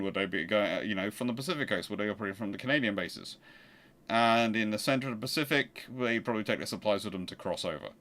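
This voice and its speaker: A man with a mid-pitched voice talks casually as the host of a live question-and-answer session. He speaks emphatically and makes his points by posing rhetorical questions. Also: fairly bright tone. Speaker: host of a naval history channel.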